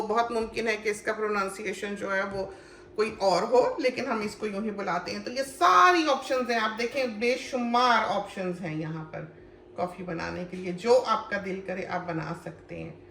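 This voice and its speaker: A woman talks through a home demonstration in a loose, chatty way, circling back with fillers as she explains. Her voice sits at an ordinary middle pitch. It is recorded in an echoey kitchen with faint room ambience behind her. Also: lively intonation, moderate pace, fairly bright tone, slight background noise. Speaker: cooking channel host.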